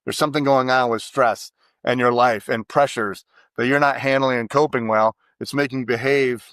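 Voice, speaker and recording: A man's voice: mid-range voice, moderate pace, no echo, clean studio sound. An American man telling stories with emphasis in a casual podcast conversation. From United States. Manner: emphatic, animated storytelling.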